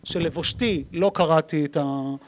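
High-voiced Israeli man hosting on stage. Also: a little hiss or hum. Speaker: host, interviewer. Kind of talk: live on-stage interview, anecdotal. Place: public talk in a library room. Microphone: handheld microphone.

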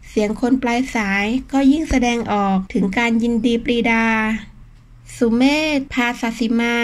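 A woman narrating a novel as an audiobook in a steady, even reading voice. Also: fairly high pitch.

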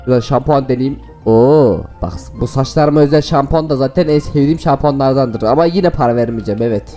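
A man hosting a gaming video, giving excited, playful commentary to viewers and laughing often. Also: medium pitch, fast talker, faint music behind.

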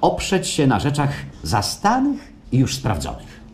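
An actor playing a suave, assured institute president in a radio play, courteous, salesmanlike and smoothly insistent, with a theatrical delivery. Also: male voice, medium pitch, huge pitch swings, unhurried, a little mellow. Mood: smooth, persuasive. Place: performed live at a radio theatre festival. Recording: live stage radio play, faint noise.

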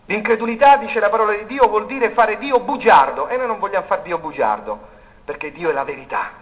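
A man preaching a sermon, swinging between loud declaiming and hushed, intimate passages. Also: sits high, expressive, fairly quick, a little hiss or hum. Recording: dull recording in a reverberant hall.

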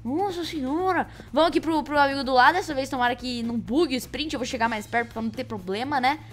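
A woman with a Brazilian Portuguese accent hosting a let's-play, excitable, shrieking and teasing as she plays. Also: high voice, fast, soft background music. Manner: excitable, shrieks and shouts at game events, playful teasing. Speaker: gaming channel host. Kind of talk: let's-play game commentary.

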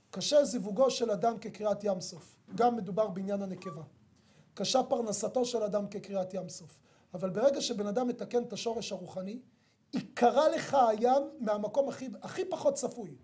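Mellow-voiced rabbi preaching emphatically. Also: male voice, extremely high pitch. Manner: emphatic, addresses listeners directly with rhetorical questions. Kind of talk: sermon with storytelling.

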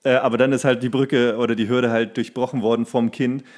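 A male podcast co-host talks in a casual, colloquial way. His pitch sits in the middle for a man. He tells anecdotes and slips into re-enacted dialogue as he goes. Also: level tone, fairly quick, darkish tone.

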